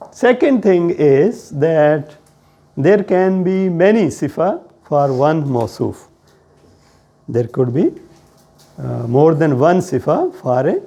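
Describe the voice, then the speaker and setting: A man with a South Asian accent teaching a grammar lesson in a deliberate, explanatory way, often checking with questions. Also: a little high, vocal fry, dark tone. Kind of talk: classroom lesson on Arabic grammar.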